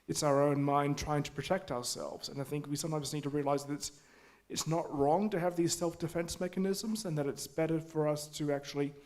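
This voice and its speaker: A man speaking at a community forum, halting with many restarts and fillers. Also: on the high side, steady tone, a little mellow. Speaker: forum audience member. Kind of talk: spontaneous public remarks. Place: community hall.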